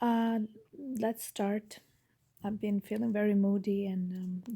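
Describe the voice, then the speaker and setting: A soft-spoken, somewhat breathy woman's voice at a medium pitch, dark and mellow in tone, flat and monotone, at a very slow pace. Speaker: tarot reader. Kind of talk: tarot reading monologue. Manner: halting.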